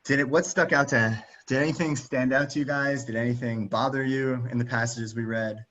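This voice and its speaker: A relaxed man guides a study group on a video call, mid-pitched and unhurried, full of ums and restarts. The audio is dull and lo-fi, as from a laptop mic. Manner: relaxed, with many fillers and restarts. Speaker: teacher leading a text study.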